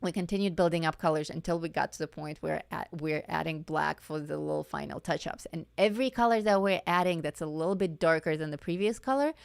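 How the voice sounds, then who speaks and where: A woman teaching art on a live stream, her voice slightly low, with a gravelly fry that is getting hoarse, yet smooth and clear. She chats casually, restarting and repeating her words. The sound is dry and close. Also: a little fast, hardly any pauses, no echo. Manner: chatty, self-correcting, repeats words. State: voice going hoarse. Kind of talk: live-stream coloring lesson.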